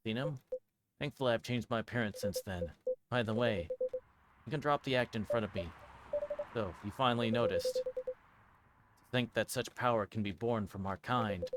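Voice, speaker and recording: A man streaming a playthrough of a visual novel, reading dialogue aloud and commenting casually in a hesitant, halting way. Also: on the low side, very noisy. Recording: music behind the voice. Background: guitar music from the game.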